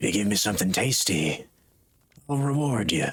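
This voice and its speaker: A man puts on a raspy character voice with a fairly low pitch. He speaks at a moderate pace. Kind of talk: campfire horror storytelling. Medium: read story. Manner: broken speech.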